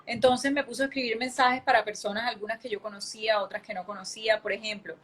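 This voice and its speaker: A woman's voice: a little high, flat delivery, fast, a bit bright, breathy edge. A woman, giving an earnest, vivid faith testimony as an interview guest. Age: late 30s.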